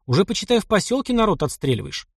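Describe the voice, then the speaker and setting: A man's voice: sits high, sing-song, quick pace, husky, no echo, studio quality, voice pushed up, exaggerated voice. A man reading the lines of a stern, grumbling male counterintelligence officer in an audiobook. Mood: reproachful. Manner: grumbling, reproachful.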